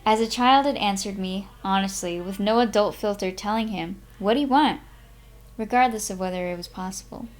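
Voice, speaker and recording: A woman hosting a live stream, speaking in an expressive, unhurried way with dramatic, drawn-out phrasing. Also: mid-range voice. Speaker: host of a live reading stream. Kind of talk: expressive audiobook-style reading and casual stream chat.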